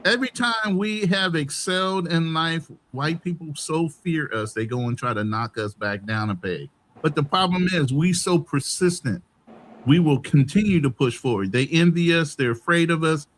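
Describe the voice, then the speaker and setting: Man, lively intonation, emphatic and preachy, faint background hiss. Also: fairly high pitch, moderate pace. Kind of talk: casual talk show chat.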